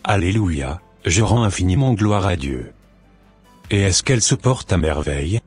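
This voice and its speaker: A man's voice: deep voice, lively intonation, unhurried, a little mellow, breathy edge, exaggerated voice. A man voicing a solemn, devout Christian in a cartoon, speaking in a formal, pious way. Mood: relieved. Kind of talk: scripted amateur Christian cartoon dialogue. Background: faint music.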